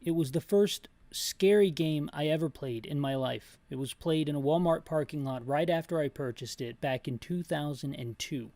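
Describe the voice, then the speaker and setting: A man's voice: on the high side, moderate pace, few pauses, warm tone. A man in his thirties talks through a video game in a loose, rambling way, describing what he sees for listeners. His delivery is hyper and self-deprecating, full of restarts and asides. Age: 30s. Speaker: gaming YouTuber. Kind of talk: casual audio-description gameplay commentary.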